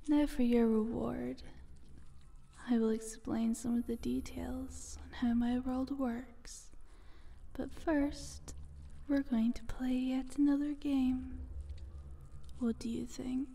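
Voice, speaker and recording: A sly, condescending eldritch monster, acted by a woman speaks in a very dark, velvety female voice with a crackle of fry. She drifts slowly between soft speech and breathy whisper. The tone is teasing and taunting, in an intimate ASMR roleplay style. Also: high voice, fairly even intonation, heavily acted.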